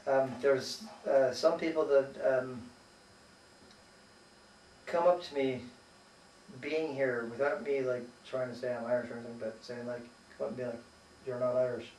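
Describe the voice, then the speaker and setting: A man's voice: mid-range voice, steady tone, normal speed, pauses often, a little mellow. An American man in casual conversation about his life, hesitant and rambling, often trailing off and swearing casually. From United States. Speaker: interviewee. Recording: roomy echo, distant mic, faint noise.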